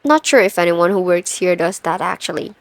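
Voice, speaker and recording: A woman playing a stern, overworked chief executive in an ASMR roleplay, measured and commanding with dry sarcasm. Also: lowish voice, lively intonation, no echo. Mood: weary, businesslike. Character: stern, overworked female CEO, pent-up and dryly menacing. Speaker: audio roleplay voice performer.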